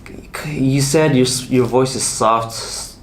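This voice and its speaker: A young man in casual chat, talking gently and reassuringly to a fan with many "you know" fillers. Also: mid-range voice, steady tone, measured pace, a little hiss or hum. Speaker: K-pop idol answering a fan.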